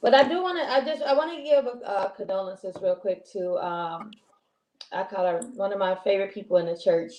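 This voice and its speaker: A woman co-hosting a casual live-stream talk show, rambling and heartfelt with many pauses. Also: mid-range voice, darkish tone, lo-fi sound. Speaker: co-host. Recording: echoey room with faint noise.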